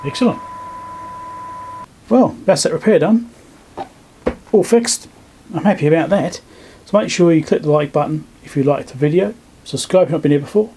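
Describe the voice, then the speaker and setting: Man with a higher-pitched voice, noisy recording. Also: moderate pace, pauses often, dark tone. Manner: informal, thinking aloud while working. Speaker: electronics repair video host. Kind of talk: casual hands-on repair walkthrough. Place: indoor electronics workbench.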